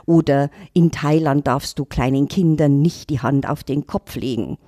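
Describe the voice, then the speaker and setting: A woman's voice: low-pitched, normal speed, dark tone, dry recording, clean studio sound. A middle-aged woman, reflectively telling her story on a podcast. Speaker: intercultural trainer, guest. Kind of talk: casual podcast talk.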